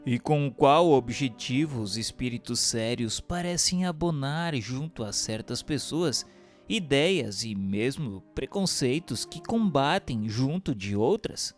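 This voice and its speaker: Male Brazilian narrator, mid-pitched, formal and deliberate, animated melody over faint music. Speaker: narrator and questioner. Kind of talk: scripted narration, expository reading.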